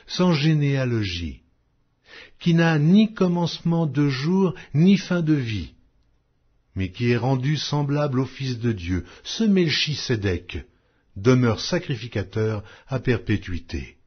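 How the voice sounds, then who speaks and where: Husky man reading scripture, lively intonation. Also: mid-range voice, muffled recording. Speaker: audiobook Bible reader.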